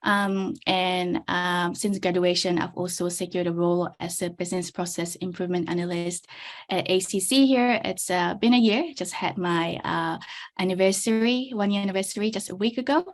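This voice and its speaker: A woman's voice: fairly low pitch, normal speed. A young woman from the Czech Republic presenting her career story in a chatty webinar talk. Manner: chatty, many fillers and restarts. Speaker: webinar speaker, business analyst. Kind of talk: presenting over shared slides.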